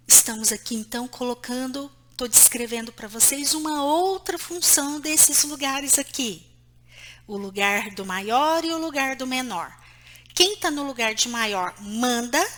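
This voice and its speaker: A woman psychologist with a high, bright voice teaches an online class on raising children. She speaks slowly and deliberately, pointing out places on a diagram as she explains. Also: a little hiss or hum. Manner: acts out short quoted lines between mother and child. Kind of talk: online lesson on parenting.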